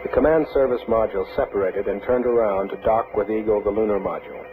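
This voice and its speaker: A man delivering poetic scripted documentary narration in measured, dramatic phrases. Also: on the low side, phone-quality sound, slight background noise. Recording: thin band-limited sound under music. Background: music.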